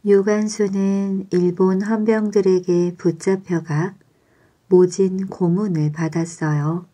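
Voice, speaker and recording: A woman narrating bedtime stories in a calm, soothing, measured way. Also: medium pitch. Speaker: storyteller.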